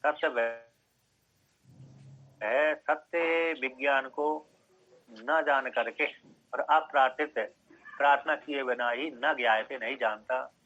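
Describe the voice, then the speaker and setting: A man's voice: medium pitch, takes it slowly, pauses often, bright, forceful tone. A man giving a scripture lecture, explaining step by step, repeating phrases and checking that listeners follow. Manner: repeats phrases, checks understanding with short questions. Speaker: scripture teacher. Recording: dull lo-fi recording.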